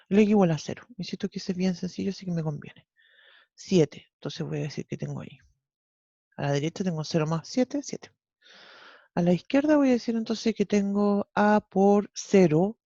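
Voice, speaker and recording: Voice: mid-range voice, warm tone, no echo. A math teacher with a Chilean accent, teaching an online class step by step and often checking in with the students. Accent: Chilean Spanish. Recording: dull lo-fi online class audio.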